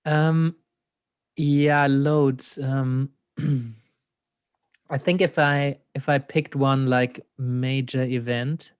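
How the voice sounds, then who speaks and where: A man with a German accent, speaking in a mid-range voice as a thoughtful interview guest. He muses aloud, laughs easily and fills pauses with "you know." The sound is close and dry, with no room around it. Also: mid-range voice, little pitch movement, smooth, no echo. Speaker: existential coach, interview guest. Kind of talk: reflective conversational interview.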